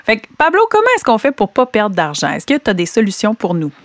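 Woman podcast host, Quebec French accent, very animated intonation, close dry sound. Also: medium pitch, fairly quick, no room sound. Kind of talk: conversational podcast hosting.

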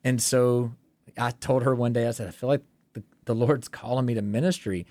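A man's voice: mid-range voice, fairly even intonation, moderate pace, mellow, dry recording. Pastor telling his story. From Tennessee, USA.

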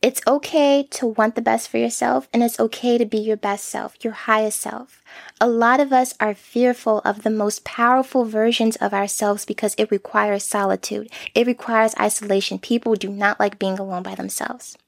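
A young woman hosting a solo podcast, talking in a soft, earnest, self-reflective way into a close mic. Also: on the high side, steady tone, moderate pace, gravelly, dry recording. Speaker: podcast host.

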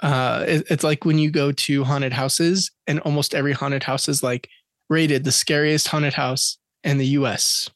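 A man with a fairly high voice hosts a casual podcast chat. He reads out facts and dates with jokes mixed in. The sound is close and dry, with no room around it. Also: fairly even intonation, normal speed, no room sound. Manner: chatty, joking, reads facts and dates aloud. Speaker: podcast co-host.

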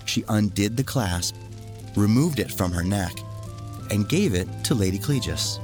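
A man telling a scripted family tale as an expressive storyteller. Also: lowish voice, measured pace, soft background music.

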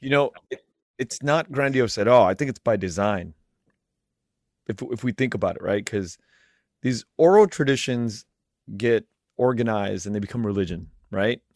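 A man in his forties hosting a podcast interview, asking relaxed, musing questions. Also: lowish voice, normal speed, no echo, clean studio sound. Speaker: podcast host. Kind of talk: conversational interview.

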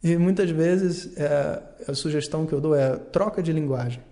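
Man, teacher type, mellow and slightly high voice, calm explanatory delivery. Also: moderate pace. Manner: calm, explanatory, acts out little dialogues. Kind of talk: talk on learning and mistakes.

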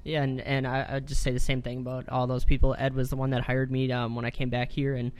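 A man's voice: medium pitch, monotone, quick pace, darkish tone. A young man writer on a chat show, earnest and leaning on fillers. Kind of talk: casual studio chat.

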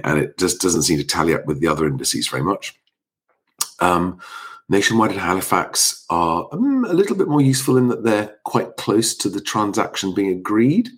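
A man hosting an informal live stream, speaking quietly at night into a close microphone so as not to wake sleeping children, with a slight cold. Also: deep voice. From Sussex, England.

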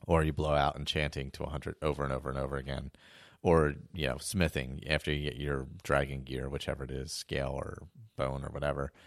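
A man hosting a podcast, talking casually and rambling with many restarts, hoarse as he is losing his voice. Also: rumbling low, no room sound, clean studio sound. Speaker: podcast host. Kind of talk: casual monologue.

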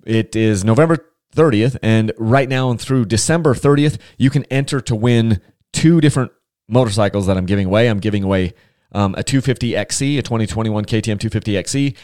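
A man's voice: lowish voice, fairly quick, darkish tone, no room sound, studio quality. A man hosting a casual solo podcast, chatty and enthusiastic, rambling with frequent restarts. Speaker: podcast host.

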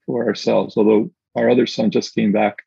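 Husky middle-aged man on roomy call. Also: fairly low pitch, little pitch movement, moderate pace, dark tone. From Argentina. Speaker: podcast guest, inclusion consultant. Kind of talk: conversational interview answers. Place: indoors, remote video call. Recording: dull, roomy video-call audio.

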